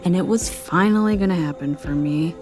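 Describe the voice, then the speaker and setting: A woman's voice: fairly low pitch, fairly quick, over music, close to an everyday voice. An actress playing a stubborn, reluctant young woman writer in an audio drama, wry and earnest, with a dry, understated manner. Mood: disappointed. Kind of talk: naturalistic audio drama acting.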